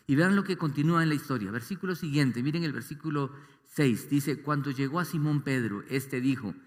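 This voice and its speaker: A man preaching a sermon, animated and asking his listeners rhetorical questions. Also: fairly high pitch, big-room sound. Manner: animated, asks the congregation questions, mimics voices. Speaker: pastor. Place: large church hall.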